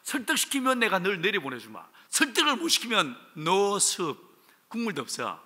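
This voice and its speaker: A man's voice: sits high, huge pitch swings, normal speed, bright, forceful tone, breathy edge, exaggerated voice. A man with a Gyeongsang accent voicing a bossy older male senior pastor who talks bluntly and gives orders. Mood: scolding. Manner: blunt, commanding speech. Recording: reverberant church hall.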